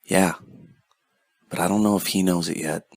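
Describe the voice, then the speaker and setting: A man playing a grave, measured superhero team commander in an amateur audio drama. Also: deep voice, steady tone, no echo. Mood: weary, reflective.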